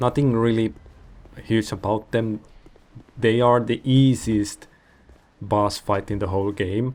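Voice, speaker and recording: The speaker talks at a fairly slow pace with a Finnish accent. Long pauses come often, and the intonation stays fairly even. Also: man, medium pitch for a man. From Finland. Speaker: gaming video creator. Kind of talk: let's play commentary. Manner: runs on without pauses for breath; hesitant, many fillers and restarts.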